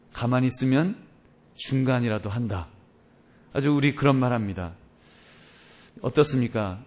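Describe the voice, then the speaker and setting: A male pastor preaching a sermon, addressing the congregation directly and acting out the voices in his stories. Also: medium pitch. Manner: animated storytelling, acting out voices in quotes.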